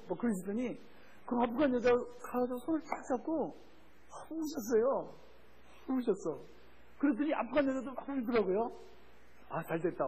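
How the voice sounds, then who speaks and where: A man preaching as a missionary, telling a story with lively acted-out quotes and frequent laughter. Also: high-pitched, rough recording. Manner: animated, acts out voices in quotes, laughs often. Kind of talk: sermon with storytelling.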